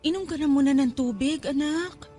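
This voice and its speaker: A high-pitched Filipino mother in a radio drama, played by a woman. She is struggling and evasive, coaxing her child in hesitant phrases over soft background music. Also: normal speed, natural voice. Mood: troubled. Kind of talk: Tagalog radio drama acting.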